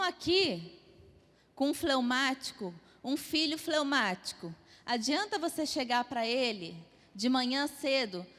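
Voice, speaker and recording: Woman teaching in a reverberant hall. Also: high voice. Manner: lively, acts out dialogue examples. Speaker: church course teacher. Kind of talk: church class lecture. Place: church hall.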